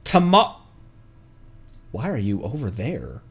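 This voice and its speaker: A man's voice: mid-range voice, wildly swooping pitch, takes it slowly, creaky, slightly rough. A man chatting casually on a livestream as the streamer, playful and rambling.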